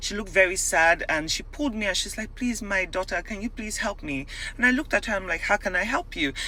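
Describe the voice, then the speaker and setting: This man talks at a very fast pace in a high, raised, projected voice with lively intonation. Noticeable background noise runs beneath him. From Nigeria. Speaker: talk show host. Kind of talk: storytelling commentary.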